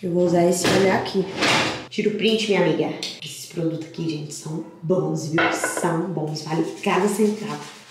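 A young woman with a Brazilian Portuguese accent vlogs casually from her bedroom, speaking to the camera in a chatty, candid way and addressing viewers directly. Her fairly low voice moves at a normal speed, and the room is echoey with a little faint noise.

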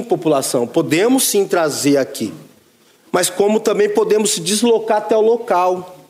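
A man's voice: on the high side, a little mellow. A man, a city councillor, earnestly telling the public about his own work in a floor speech.

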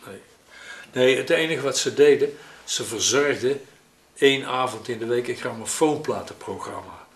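An elderly man, recalling memories in a hesitant, pausing, conversational way. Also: medium pitch. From Netherlands. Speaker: interviewee recalling his childhood. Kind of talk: spoken reminiscence in an interview. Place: living room at home, indoors. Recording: roomy echo with faint noise.

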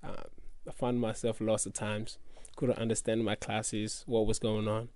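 A young man talks through his answers in an earnest, easygoing way, leaning on fillers. His tone is dark and mellow. The recording is dry and close. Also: fairly low pitch, completely flat delivery, measured pace, no room sound. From Congo. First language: French. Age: young adult. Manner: earnest, loose phrasing with many fillers. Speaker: college athlete guest. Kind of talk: casual interview answers.

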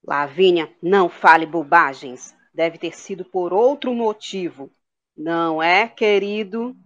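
A woman's voice: fairly low pitch, slow, fairly bright tone, muffled recording. A woman playing a bossy, dismissive queen in a comic audio drama, imperious and theatrical.

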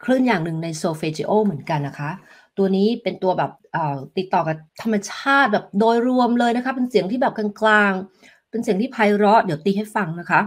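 A woman health coach giving a live demonstration lesson, explaining step by step in a gentle way and answering viewer questions, with tuning fork tones sounding behind her. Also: medium pitch, brisk, breathy edge. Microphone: desk microphone.

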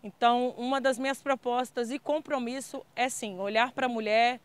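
A woman's voice: on the high side, steady tone, normal speed, clear, resonant tone. Earnest woman community leader. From Brazil. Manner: earnest, persuasive, with frequent fillers. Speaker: interviewee, community leader and council candidate. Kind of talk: street interview answers.

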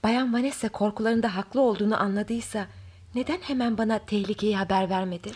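A woman's voice: mid-range voice, steady tone, fast, a little mellow, breathy edge, close to an everyday voice. An actress playing a doubtful, insistently questioning woman caught up in a radio theatre murder mystery.

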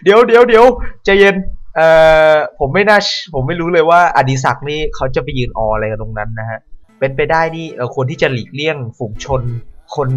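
A man gives commentary over a horror game in a mid-pitched voice, shifting between calm asides and sudden startled yelps. He keeps talking to the zombies on screen. Faint game music plays under his voice. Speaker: gameplay commentator. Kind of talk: let's play commentary.

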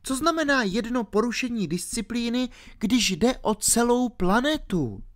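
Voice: mid-range voice, lively intonation, pitched above the performer's own voice, natural voice. A reader voicing a ten-year-old girl, bold and determined, speaking eagerly and insistently in a storybook reading.

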